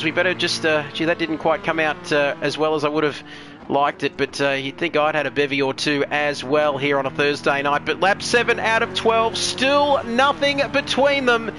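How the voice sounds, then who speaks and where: A man's voice: fairly high pitch, normal speed, background noise. A man commentating a sim racing live stream, chatty and joking as he reads out viewer comments. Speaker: race commentator.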